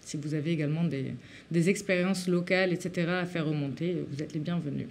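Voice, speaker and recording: In a plain, everyday voice, a woman talks at a fairly quick pace with a fairly low pitch and fairly even intonation. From southern France. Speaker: round table moderator, protester. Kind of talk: moderated round table discussion. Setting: studio.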